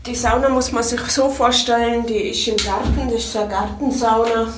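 A guesthouse owner in her forties from Tyrol, Austria, chats casually for a vlog from a small wooden garden sauna, laughing often. Her fairly high voice sounds far from the mic, with roomy echo and a noisy background.

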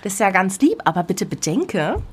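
A woman's voice: medium pitch, normal speed, slight background noise. A woman in her thirties, co-hosting a podcast and telling an anecdote in a casual chat, acting out the dialogue. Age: 30s. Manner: animated storytelling, acting out quoted dialogue. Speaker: podcast co-host.

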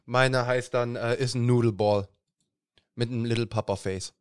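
A man's voice: medium pitch, fairly even intonation, moderate pace, smooth, dry recording, studio quality. Giggly young man chatting casually. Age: young adult. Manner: laughs through his words, many fillers. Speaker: podcast co-host. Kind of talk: casual chat.

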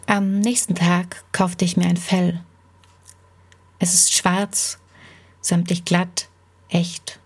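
A woman reading the part of a woman who believes she is a cat, in a calm, dry, measured stage monologue. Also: lowish voice, husky, exaggerated voice. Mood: cool, detached.

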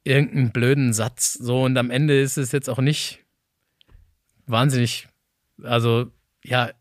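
A man's voice: mid-range voice, steady tone, measured pace, no echo, studio quality. A voice actor talking through his work in a casual conversation, thinking aloud and often restarting his sentences. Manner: reflective, rambling with many restarts.

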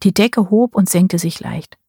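Woman narrator, audiobook, first person, husky, measured, dry close sound. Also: mid-range voice, dark tone, no echo. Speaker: audiobook reader.

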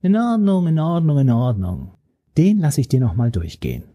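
A man's voice: medium pitch, huge pitch swings, normal speed, dark tone, voice pushed up. A man voicing a smug, mocking young male henchman who talks down to an old man. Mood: taunting. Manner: mocking, chatty, condescending. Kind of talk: audiobook character voice.

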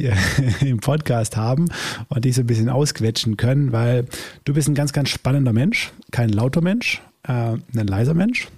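A man hosting a podcast interview, talking in a friendly, halting way with many fillers. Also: mid-range voice, a little mellow, no echo. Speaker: podcast host. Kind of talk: casual interview chat.

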